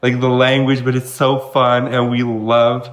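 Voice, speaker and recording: A man's voice: medium pitch, completely flat delivery, unhurried. Rambling young man from Kosovo. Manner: friendly, rambling, heavy on like. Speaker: podcast co-host. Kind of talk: casual chat.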